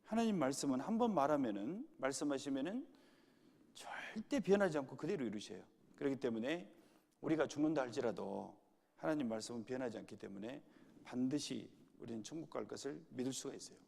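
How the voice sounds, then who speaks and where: A man's voice: mid-range voice, expressive, a little fast, creaky, a little mellow, husky. A male pastor preaching a sermon to his congregation in a church hall, quizzing them with repeated right-or-wrong questions.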